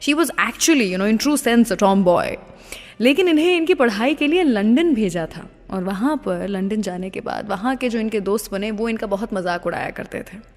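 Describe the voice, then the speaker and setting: A woman's voice: mid-range voice, lively intonation, moderate pace. A woman with an Indian accent presenting a radio show, chatting and telling stories in a gushing manner and slipping in English phrases. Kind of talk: chatty radio presenting with film-star anecdotes. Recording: long reverb on the voice.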